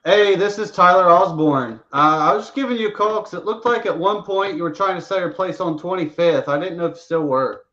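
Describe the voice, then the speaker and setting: A man's voice: high voice, fairly quick, sharp tone. A man hosting a live stream, making a casual cold call to a homeowner in an easygoing way. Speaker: real estate investor making calls. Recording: echoey room, dull sound.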